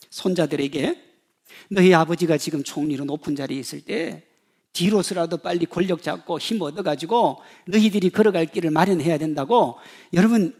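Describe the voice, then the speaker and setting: A pastor in his fifties preaching a sermon, swinging from loud emphasis to hushed asides and acting out quoted voices. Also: high voice, gravelly, husky. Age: 50s.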